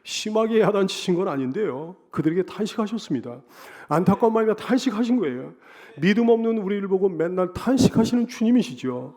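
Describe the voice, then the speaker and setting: A man preaching a Sunday sermon as a pastor. He repeats phrases and asks rhetorical questions, building loud on key lines and dropping low on others. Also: lively intonation, a little fast. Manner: emphatic repetition and rhetorical questions.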